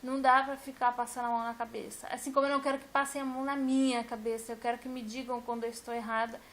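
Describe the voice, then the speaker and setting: A woman's voice: a little high, little pitch movement, racing, fairly bright tone. A woman, a teacher, talking casually and emphatically to her viewers and repeating her points. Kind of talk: casual talk to camera.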